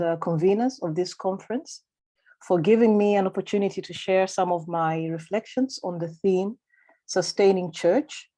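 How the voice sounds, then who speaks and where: Woman with a Malawian accent, low mellow voice. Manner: measured, formal and deliberate. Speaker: conference speaker. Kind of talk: reading a prepared academic paper.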